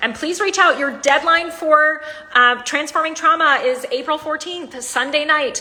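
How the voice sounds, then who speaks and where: Raising and projecting her voice, a woman speaks fairly slowly at a high pitch with ordinary pitch movement, and noticeable background noise can be heard. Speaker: healing coach. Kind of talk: live Q&A. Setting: livestream. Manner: animated.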